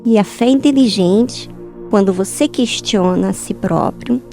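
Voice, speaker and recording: A woman delivers a motivational faith talk in an ordinary mid-range voice. She speaks straight to her listeners in an earnest tone and keeps returning to pointed questions. Soft music runs faintly underneath. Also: mid-range voice, a little slow, vocal fry. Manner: earnest, addresses listeners directly with repeated questions. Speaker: speaker at a church youth meeting.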